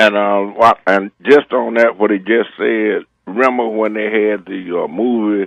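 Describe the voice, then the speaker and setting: The sound is dry and close, with no echo. A man speaks very slowly at a fairly low pitch. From Texas. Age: 60s. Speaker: caller. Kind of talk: call-in radio talk. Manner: halting.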